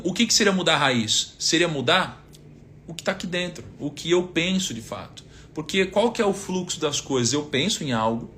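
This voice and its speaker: A Brazilian man in his thirties talks through lessons on faith and money in a relaxed, teacherly way. His voice sits a little high and sounds bright and forward. He leans on rhetorical questions and quoted verses to make his points. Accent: Brazilian Portuguese. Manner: conversational, asks rhetorical questions, quotes scripture. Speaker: finance speaker giving a faith-based talk. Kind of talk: casual teaching talk, live stream.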